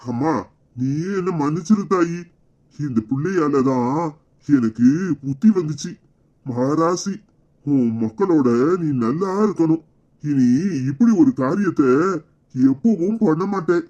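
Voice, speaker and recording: A man's voice: on the high side, lively intonation, a little slow, warm tone. A man voicing a humble, pleading poor kidnapper in a cartoon, with a Tirunelveli Tamil accent. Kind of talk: cartoon voice acting. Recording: slightly dull lo-fi sound.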